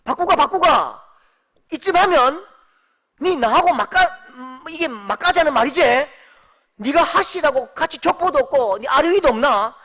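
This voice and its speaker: A man voicing an exasperated God who scolds a complaining prophet in a gruff Daegu dialect. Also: very high voice, lively intonation, normal speed, sharp tone, pitched above the performer's own voice, exaggerated voice. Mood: indignant.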